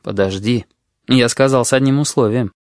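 A man voicing a tired older male caretaker who talks calmly and quietly firmly. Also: mid-range voice, moderate pace, dry recording, studio quality, lightly acted. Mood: weary. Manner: calm, weary, quietly firm.

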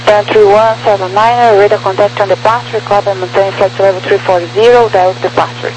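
A man with a strikingly high voice speaks over a faintly hissing radio, like police dispatch. He is a controller giving clipped, procedural instructions. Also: fairly even intonation, moderate pace. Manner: terse, procedural. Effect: two-way radio transmission. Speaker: air traffic controller. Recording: faintly noisy radio with hum.

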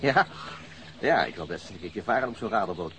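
An actor playing a reserved, self-mocking police detective with a halting way of talking, in a radio drama. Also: male voice, lowish voice, lively intonation, bright, forceful tone, slight background noise. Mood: awkward, hesitant. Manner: hesitant, halting. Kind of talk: Dutch radio drama acting.

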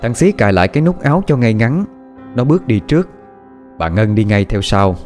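A man narrating a horror story in an expressive, suspenseful way. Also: medium pitch, a little fast, soft background music. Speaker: audiobook narrator.

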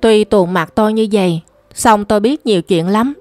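A woman's voice: mid-range voice, normal speed, a little mellow, dry recording, soft background music, close to an everyday voice. A woman voicing an angry, stubborn young boy who answers back defiantly. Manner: defiant, reproachful retorts.

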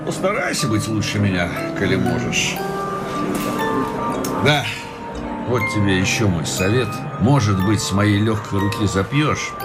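An actor playing a cynical, hard-drinking male petition-writer in a radio play, boisterous and mocking, always pressing drinks on his companion. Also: fairly low pitch. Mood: rueful. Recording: music playing behind the voice.

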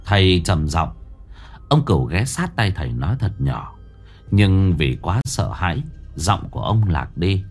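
A man tells a ghost story with a deep, husky voice. His pitch rises and falls a great deal as he builds the scene. Soft music plays faintly behind him. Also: big pitch swings, measured pace. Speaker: narrator.

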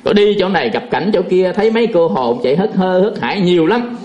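A man's voice: high-pitched, lively intonation, fast talker, a little mellow, lo-fi sound. A man, a Buddhist monk telling a folksy, chuckling story in a sermon, full of fillers.

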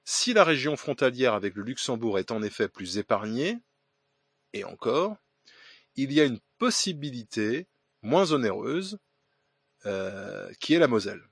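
A man's voice: mid-range voice, very animated, unhurried, gravelly, husky, no echo. A man hosting a podcast, reading listener letters aloud with hesitant fillers, restarts and ironic asides. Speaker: podcast host.

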